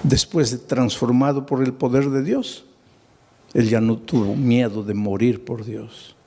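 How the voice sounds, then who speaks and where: Man giving a sermon, warm low tone, tells the story dramatically and keeps asking the crowd questions. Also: fairly even intonation, a little slow. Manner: dramatic storytelling, acting out biblical dialogue; asks the audience rhetorical questions. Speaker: preacher.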